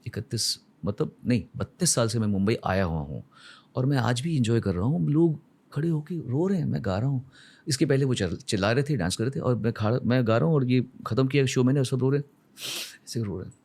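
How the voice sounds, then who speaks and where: A middle-aged man from India, talking as a guest in an unhurried, heartfelt way. His pitch sits at an ordinary middle level. He shifts between quiet, inward moments and warmer, fuller stretches as he reflects on his work. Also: expressive. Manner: earnest, emotional, mixes English into his speech. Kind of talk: reflective conversational storytelling.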